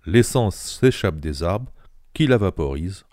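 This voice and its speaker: Man reading as a sly old bushman, tall tales, deep voice, dark tone, dry close sound. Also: animated, a little slow, no room sound. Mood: yarn-spinning. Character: old male bush storyteller, sly and tall-talking.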